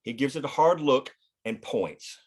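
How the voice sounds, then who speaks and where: A man's voice: medium pitch, expressive, measured pace. A man reading stage directions as the narrator of a screenplay, in scripted narration.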